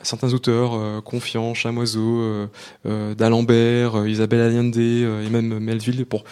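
Young man from Martinique, author at a book event, halting delivery full of fillers and restarts. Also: mid-range voice, monotone, a little mellow, clean tone. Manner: hesitant, many fillers and repeated words. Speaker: author and researcher. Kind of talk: book talk at a public event.

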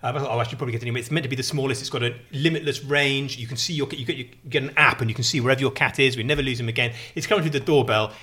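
A man's voice: medium pitch, fairly even intonation, very fast, hardly any pauses, bright, forceful tone. A man co-hosting a casual chat, telling wry stories and ranting with gusto. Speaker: podcast co-host.

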